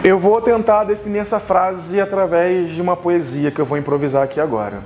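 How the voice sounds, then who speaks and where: Brazilian man in his thirties, studio interview guest, earnest and halting, slightly high voice, faint hiss. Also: a little mellow. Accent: Brazilian Portuguese. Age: 30s. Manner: earnest, searching, with many pauses and restarts. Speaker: interview guest, writer and teacher. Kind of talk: reflective interview answers.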